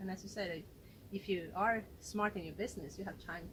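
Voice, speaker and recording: A medium-pitched woman with a Swedish accent at a moderate pace, in a room with audible echo. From Sweden. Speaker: tech entrepreneur. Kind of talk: interview.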